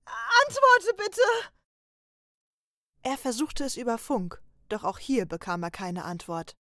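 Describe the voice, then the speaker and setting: A woman's voice: medium pitch, a little mellow, dry recording. Woman reading a storybook, dry sound. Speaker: narrator.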